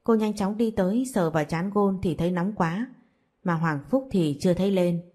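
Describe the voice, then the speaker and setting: A woman storyteller reads the narration in an even, steady manner. Her voice sits on the low side and sounds dark and mellow. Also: moderate pace. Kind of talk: scripted narration.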